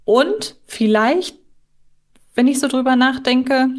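A woman's voice: high-pitched, lively intonation, takes it slowly. A woman hosting a podcast, talking casually and reflectively as she thinks aloud through the discussion. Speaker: podcast host.

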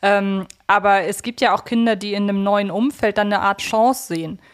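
Female podcast co-host, mid-range voice, thoughtful conversational analysis, pausing to find the right wording. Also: mid-range voice. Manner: reflective, searching for words.

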